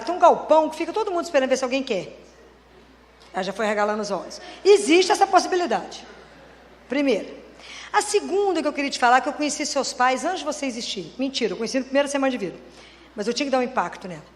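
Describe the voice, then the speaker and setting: A woman giving a lively storytelling talk on parenting, acting out dialogue with emphatic delivery. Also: high voice, slight background noise. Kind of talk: storytelling lecture. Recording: long hall reverb.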